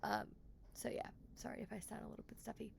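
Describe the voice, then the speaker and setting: A woman's voice: fairly high pitch, level tone, quick pace, vocal fry, a little mellow, a little hiss or hum. A woman book vlogger with a stuffy cold, chatting casually and repeating words with lots of fillers. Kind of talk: casual chat to camera.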